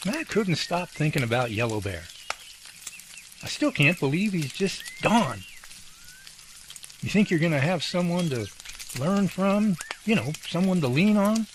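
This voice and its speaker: A man's voice: high-pitched, sing-song, a little slow, pauses often. Wry, doubtful sidekick played by a man, noisy recording. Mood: downcast. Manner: wry, sceptical. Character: doubtful, sarcastic male research sidekick, easily discouraged.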